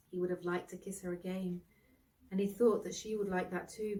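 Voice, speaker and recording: A woman's voice: medium pitch, a little mellow. Woman storyteller, distant from the mic. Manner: dramatic, deliberate phrasing. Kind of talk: expressive storybook narration.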